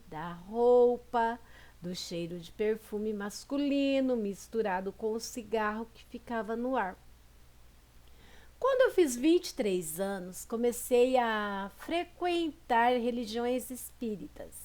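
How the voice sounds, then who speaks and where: A woman hosting a horror channel, narrating supernatural accounts in a dramatic, drawn-out storytelling manner. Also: fairly high pitch, darkish tone.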